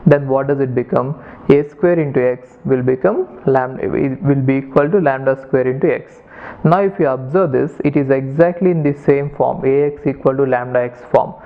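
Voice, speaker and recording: Thin, phone-like audio carries the voice of an Indian man lecturing. He explains step by step in an average-pitched voice, restating each point and pausing to check it is understood. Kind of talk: explanatory math lesson.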